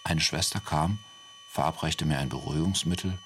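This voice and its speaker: Really deep sober radio play narrator telling his hospital memories, noisy hum behind. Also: normal speed. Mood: sober recollection. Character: man soberly recalling electroshock treatment in youth. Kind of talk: first-person scripted narration.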